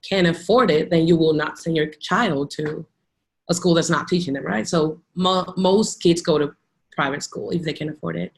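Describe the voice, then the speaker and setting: A woman's voice: low-pitched, normal speed, gravelly. A woman from the Dominican Republic, a teacher, talking casually in an interview with lots of "like" fillers and restarts. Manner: chatty, many "like" fillers and restarts.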